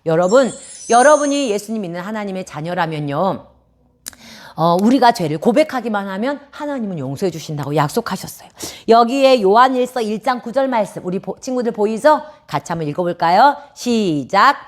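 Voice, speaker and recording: A woman's voice: mid-range voice, big pitch swings, fairly quick. A woman preaching a children's sermon, telling a story and asking the children questions.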